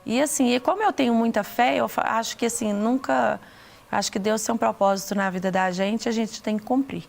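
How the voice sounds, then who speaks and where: A middle-aged Brazilian woman tells her testimony in an earnest, halting way, often restarting her sentences. Her voice sits a little high and has a gravelly edge. Soft music plays underneath. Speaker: guest giving a testimony. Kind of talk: emotional personal testimony.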